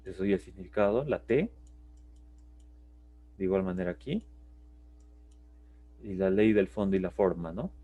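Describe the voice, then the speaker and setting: A man's voice: sits low, measured pace, pauses often, husky, distant mic, narrow, tinny audio. A man teaching psychology in a live online class, explaining step by step and checking in with tag questions.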